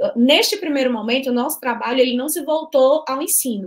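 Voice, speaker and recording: A woman talks at a fairly quick pace with a high pitch and ordinary pitch variation. The recording is very clean, with a silent background. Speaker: linguist and schoolteacher. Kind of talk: interview. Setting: podcast. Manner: fast.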